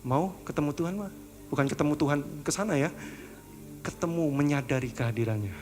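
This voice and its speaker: A man preaching a sermon, talking in a casual, chatty way that swings from high pleading to hushed tones. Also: expressive, brisk, soft background music. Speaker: pastor. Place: church service.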